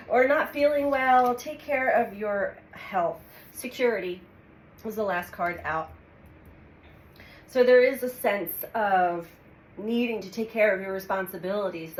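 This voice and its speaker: Woman, tarot reader, congested from a cold, calm and unhurried, echoey room, noticeable background hiss. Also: mid-range voice. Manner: calm, unhurried, speaks with pauses while drawing cards. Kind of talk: weekly astrology tarot reading.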